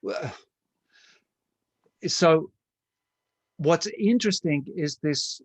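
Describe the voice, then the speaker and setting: A man's voice: mid-range voice, no echo. A man giving an online conference lecture in a conversational way, speaking to listeners by name.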